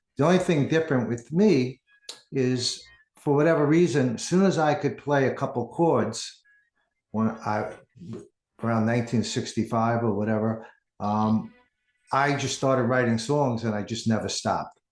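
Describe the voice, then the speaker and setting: Someone with a Long Island accent speaks at a moderate pace, leaving long, frequent pauses. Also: man, medium pitch for a man, ordinary pitch variation. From Long Island, New York. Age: 70s. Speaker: songwriter. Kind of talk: interview.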